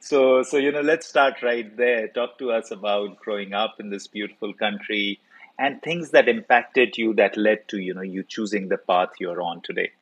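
A man's voice: on the low side, normal speed, slightly rough, low-quality recording. A man hosting a podcast, reading an upbeat introduction and then asking enthusiastic interview questions. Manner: warm greeting, upbeat and enthusiastic. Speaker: podcast host.

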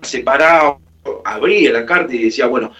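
A man's voice: medium pitch, a little fast, a bit bright, distant mic. Rioplatense man telling a heartfelt story. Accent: Rioplatense Spanish. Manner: heartfelt, acts out quoted dialogue. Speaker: guest musician. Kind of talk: emotional storytelling in an interview.

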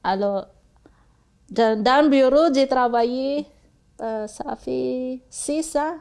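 A woman in her forties from the Philippines with a Filipino accent, whose first language is Bisaya, answering interview questions haltingly and searching for her words. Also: sits high, gravelly, darkish tone. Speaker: interview guest. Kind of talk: casual interview.

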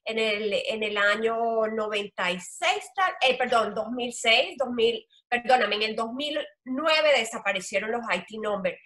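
Bright-voiced Colombian coastal woman. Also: mid-range voice. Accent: Colombian Caribbean coast Spanish. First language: Spanish. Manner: earnest, explanatory, with frequent "eh" fillers. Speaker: loan officer guest. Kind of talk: interview answers.

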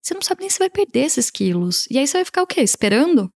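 A Brazilian woman with a Brazilian Portuguese accent, an image consultant answering interview questions in an animated way, often voicing what her clients say. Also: sits high, fast. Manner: animated, talks in quoted client voices.

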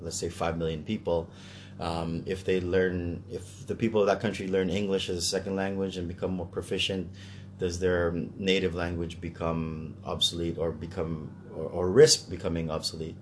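A man's voice: sits low, little pitch movement, normal speed, a little hiss or hum. A Canadian man talking casually in a discussion, hesitant as he thinks aloud.

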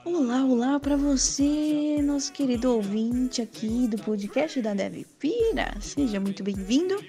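A woman co-host with a gravelly, vocal-fry edge and a dark, mellow tone speaks slowly and softly as she welcomes the listeners. Faint music plays behind her. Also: sits high, animated. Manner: slow, quiet delivery. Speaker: podcast co-host. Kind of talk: slow, quiet welcome greeting.

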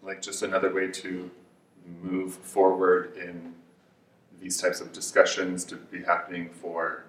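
A man's voice: low-pitched, monotone, measured pace, fairly bright tone, reverberant, far from the mic, slight background noise, rough recording. A man in his late twenties on a panel, speaking frankly and rambling with lots of "like". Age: 20s. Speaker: panelist, artist. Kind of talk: casual panel discussion.

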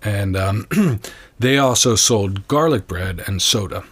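A man from Connecticut, a guest, telling stories of his childhood in a relaxed, rambling way with many fillers, recorded in a trailer. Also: lowish voice, slow, slight background noise. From Connecticut, USA. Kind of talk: casual storytelling interview. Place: trailer with wind and flags outside.

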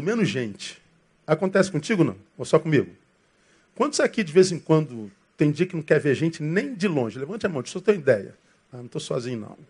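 A man's voice: on the high side, darkish tone. A man with a Brazilian accent preaching a sermon as pastor, in a conversational way that calls listeners brother and asks them questions.

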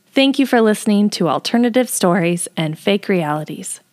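A woman's voice: medium pitch, lively intonation, moderate pace, a little mellow. A woman presenting a podcast, reading a scripted introduction in a formal announcing manner.

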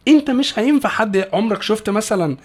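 A man with an Egyptian Arabic accent explains things in a rush of quick speech. He talks in an animated way, keeps breaking off and repeating words, and his voice sits on the higher side. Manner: animated, fast, many restarts and repeated words. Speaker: English pronunciation teacher, guest. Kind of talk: casual podcast conversation.

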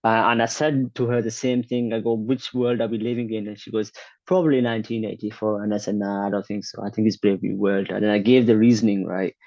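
A man's voice: on the low side, steady tone, fast, warm tone, no echo. An opinionated young man in a casual chat, telling stories and voicing the people in them. He stammers when he restarts a sentence. The recording is dry and slightly dull. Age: 20s. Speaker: conversation partner.

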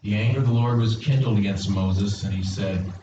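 A man's voice: lowish voice, brisk, background noise. A male pastor's sermon voice, heard from far back in a very echoey church hall on a dull, muffled recording. He keeps the congregation involved, tossing them questions and asking for replies. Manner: engaging, questions the congregation and calls for responses. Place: church sanctuary.

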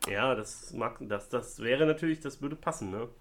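A man's voice: mid-range voice, moderate pace, slight background noise. A man co-hosting a casual talk about a crime case, speculating in a joking, rambling way. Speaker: podcast co-host.

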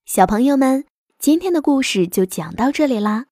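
A woman's voice: high voice, animated, moderate pace, a little mellow, no room sound, studio quality. A woman hosting a children's show, telling a fireside bedtime story expressively and speaking directly to young listeners.

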